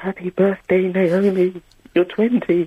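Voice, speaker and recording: A female-sounding put-on character voice speaks at a medium pitch and a fairly slow pace, with monotone, flat intonation. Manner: haunting, sing-song greeting.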